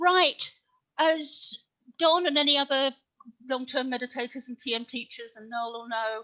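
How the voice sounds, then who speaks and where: Her voice raised and projected, a woman speaks fairly quickly at a high pitch with ordinary pitch variation. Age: 70s. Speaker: meditation teacher. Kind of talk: casual chat. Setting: video call.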